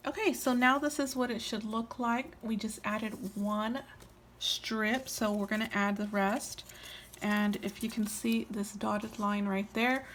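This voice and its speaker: A tired-sounding woman hosting a casual hands-on craft tutorial, explaining each step informally with trailing pauses. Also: fairly high pitch, creaky, a little hiss or hum.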